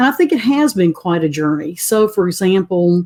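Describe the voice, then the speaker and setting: Speaking with a strong Southern US accent, a woman talks at a fairly quick pace and medium pitch in an animated tone. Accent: heavy Southern US. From US South, Alabama. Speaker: executive coach and consultant. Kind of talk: interview.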